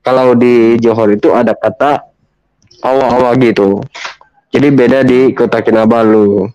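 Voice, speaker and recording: A man from Sabah in Malaysia, chatting as a guest in an easygoing, halting way. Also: mid-range voice, steady tone, dark tone, no room sound, lo-fi sound. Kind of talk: casual video call chat.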